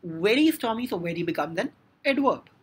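A woman's voice: mid-range voice, expressive, brisk, a little mellow, husky. A woman with an Indian English accent teaching a grammar lesson, explaining step by step with frequent "now" and "so".

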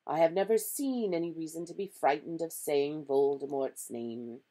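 A woman voicing a gentle, courtly old male wizard in a storybook, speaking in a genial, measured way. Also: sits low. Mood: patient. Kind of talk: storybook character reading.

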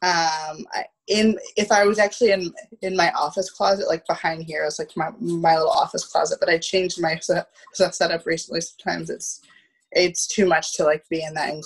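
Husky, low-voiced woman with a stammer. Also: fairly even intonation, moderate pace, low-quality recording. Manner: stammers, repeating first syllables of words. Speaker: guest, theatre producer. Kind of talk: casual chat. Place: home room, on a video call. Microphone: video call, wearing headphones.

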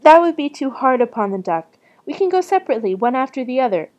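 A woman voicing a gentle little girl in a storybook tale, speaking earnestly and plaintively. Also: high voice, big pitch swings, quick pace, muffled recording, voice pushed up.

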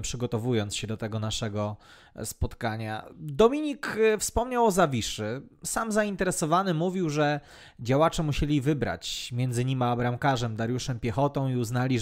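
A man hosting a sports podcast, recounting a career in a prepared, narrative style. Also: mid-range voice. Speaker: podcast host. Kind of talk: semi-scripted sports biography narration.

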